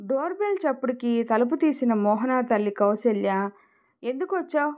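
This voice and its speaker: A woman narrating an emotional family story in a measured storytelling manner. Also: fairly high pitch, dark tone.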